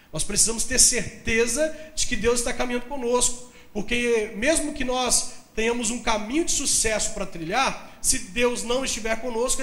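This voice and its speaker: A pastor from Brazil preaching in church, telling a personal story with animated delivery and acting out the dialogue. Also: male voice, extremely high pitch. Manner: animated storytelling, acts out dialogue, laughs at own jokes. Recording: echoey church hall.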